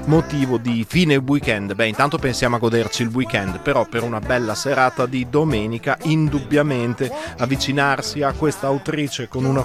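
A man hosting a morning radio show, presenting events and interviewing a guest in a formal announcer manner. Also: mid-range voice. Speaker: radio host. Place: radio studio.

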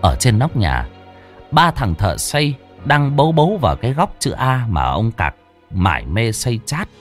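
A man's voice: mid-range voice, big pitch swings, moderate pace, faint music behind. Dramatic storyteller man. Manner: dramatic, swooping delivery. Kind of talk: folk ghost story narration.

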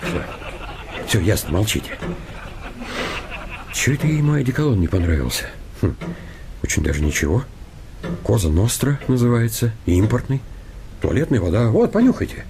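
An actor playing a fussy, self-important hypnotist in a comic radio play, speaking with pompous, bookish politeness. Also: male voice, fairly low pitch, sing-song, normal speed, pauses often, noisy background. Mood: piqued, prim. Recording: studio radio play with music behind.

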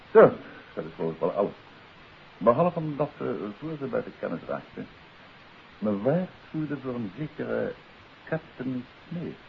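An actor playing a shrewd, courteous detective in a 1950s Dutch radio play, measured and probing. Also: male voice, mid-range voice, creaky, full character voice. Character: shrewd male amateur detective, composed and probing. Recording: muffled, hissy old radio recording.

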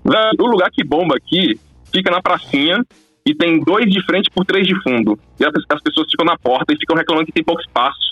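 A man's voice: fairly high pitch, expressive, fast, bright, forceful tone, husky, no echo, faint music behind. Rambling man over the phone. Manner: rambling, hesitant. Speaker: caller. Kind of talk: casual chat. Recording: dull, dry phone line.

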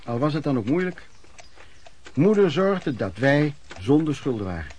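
An actor playing an older, plain-spoken former street vendor and vagrant who reminisces in a radio play, wordy and folksy with quaint old-fashioned phrasing. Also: male voice, fairly high pitch, very animated, moderate pace, a little mellow, slight background noise. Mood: nostalgic. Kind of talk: radio play monologue in interview form.

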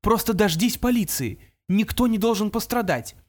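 A male audiobook reader voicing a cool-headed teenage boy genius who speaks calmly and in a measured way. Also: high-pitched, voice pushed up. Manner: calm, measured. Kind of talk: audiobook character voice.

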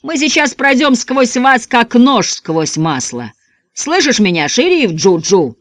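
A narrator voicing a gruff backwoods outlaw father who bellows coarse threats. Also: mid-range voice, lively intonation, fairly quick, fairly bright tone, no room sound, voice pushed up, natural voice. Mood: bellowing.

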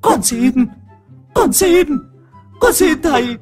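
A man voicing a terrified spirit possessing an old man, begging in a shrill wail. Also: very animated, slow, full character voice. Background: faint background music.

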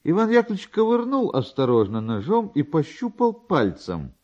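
A man narrating a literary story in a theatrical, expressive way with drawn-out pauses. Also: on the high side, lo-fi sound.

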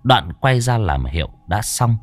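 A man's voice: lowish voice, sing-song, a little slow. A man narrating a ghost story in a dramatic storytelling manner. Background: faint background music.

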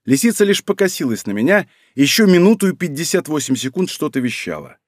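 A man reading a first-person novel aloud as an audiobook narrator, with an expressive delivery. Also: on the high side, fast, no echo, studio quality.

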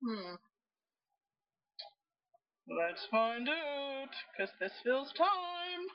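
A woman chats on a podcast at a very slow, easy pace, laughing often. Her voice is slightly high. The sound is dull and lo-fi. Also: very animated, no room sound. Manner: giggly, unhurried. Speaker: podcast co-host. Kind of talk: casual chat.

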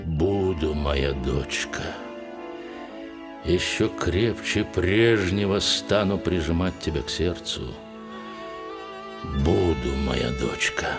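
A man voicing a doting old Cossack officer father, speaking slowly and solemnly to reassure his daughter in a radio play. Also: low-pitched, lively intonation, over music, voice pushed down, full character voice. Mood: soothing.

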